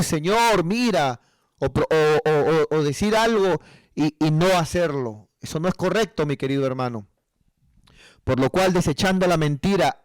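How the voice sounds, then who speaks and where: A man's voice: on the high side, no room sound. Emphatic preacher man, dry sound. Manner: preaching with rising emphatic passages, acting out prayers. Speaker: pastor. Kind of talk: sermon.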